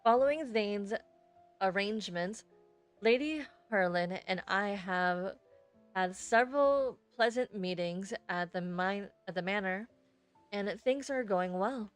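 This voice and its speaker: A woman's voice: mid-range voice, slow pace, clear, resonant tone, faint music behind. A woman streamer reading a first-person story aloud expressively, sometimes stumbling over words and rereading them.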